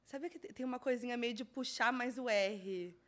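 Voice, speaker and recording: A young adult woman hosting a podcast interview, eager and giggly, with quick affirmations. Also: fairly high pitch. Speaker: podcast host. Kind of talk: casual interview chat.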